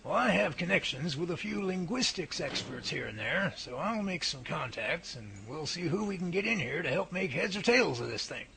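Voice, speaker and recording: A man's voice: on the high side, gravelly. A man playing an enthusiastic professor who researches Bigfoot, talking in a folksy, emphatic way in an amateur radio drama.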